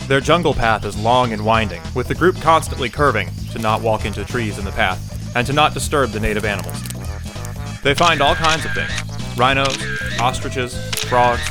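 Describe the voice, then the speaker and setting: A man's voice: medium pitch, moderate pace, vocal fry, over music. A man delivering scripted audio drama narration as the narrator, with wry asides.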